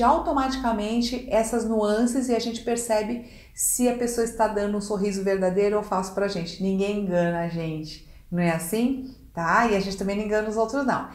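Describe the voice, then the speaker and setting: Brazilian woman communication coach, mid pitch, animated delivery, reverberant room. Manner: expressive, demonstrative, checks in with tag questions. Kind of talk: casual instructional video talk. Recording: echoey room.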